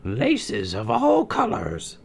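A man's voice: high-pitched, wildly swooping pitch, takes it slowly, gravelly, slight background noise, pitched above the performer's own voice, exaggerated voice. A man voicing a vain, scheming wicked queen in a read-aloud fairy tale, with a theatrical, sneering delivery. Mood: wheedling.

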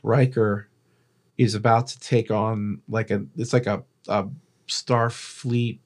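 A man co-hosts a podcast, chatting casually in a rambling, explanatory way with some swearing. His lowish voice has little pitch movement, and he takes his time.

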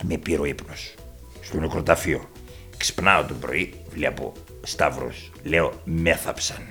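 A man's voice: very deep voice, fairly even intonation, sharp tone, faint music behind, heavily acted. A man playing a blunt, boastful rural uncle with a rural Epirus accent, who swears freely and tells tall tales in an improvised comic monologue. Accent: rural Epirus Greek. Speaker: comic character reacting to videos.

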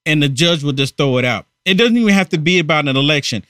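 Male talk host, emphatic and repetitive, somewhat high pitch, dry booth. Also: lively intonation, quick pace, pushed and bright, clean tone, dry recording. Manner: heated, emphatic, repeats himself. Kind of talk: political talk radio commentary.

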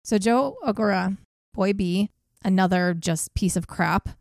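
Gravelly-voiced woman telling a true crime case. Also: medium pitch, a little slow, darkish tone, no room sound, clean studio sound. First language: English. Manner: blunt, swears, laughs at grim moments. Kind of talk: casual true crime storytelling.

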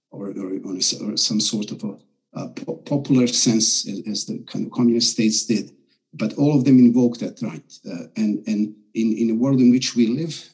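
Middle-aged male academic on a video call, low husky voice, measured delivery with many restarts. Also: poor audio. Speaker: guest scholar.

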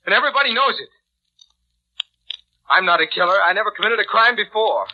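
A man's voice: sits high, expressive, a little fast, slight background noise. A man playing a desperate, pleading condemned killer in 1940s radio drama style. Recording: dull vintage radio recording.

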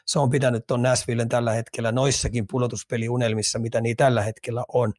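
A man's voice: mid-range voice, little pitch movement, darkish tone, no room sound, studio quality. A man co-hosting a casual sports podcast, speculating at length and repeating words while he thinks. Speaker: podcast co-host, hockey analyst.

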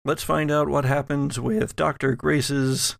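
A man acting as game master, narrating a tabletop role-playing game in measured phrases with dramatic pauses. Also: medium pitch, little pitch movement, gravelly, dry recording, studio quality.

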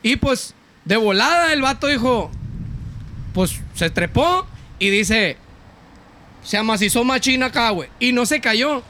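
A man's voice: very high-pitched, animated, a little slow, long pauses, bright, forceful tone, a little hiss or hum. A man with a Mexican accent casually telling a spooky local story on a podcast, slangy and jokey. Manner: slangy, jokey, laughs often. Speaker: podcast host.

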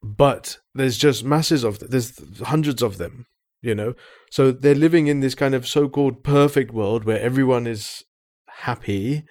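A man's voice: medium pitch, unhurried, hardly any pauses, darkish tone. A man in a casual discussion, explaining his ideas with enthusiasm.

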